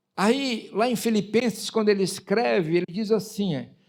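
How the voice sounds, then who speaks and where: This man has a high pitch. He talks at a very slow pace. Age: 70s. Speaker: pastor. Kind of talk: sermon. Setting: church.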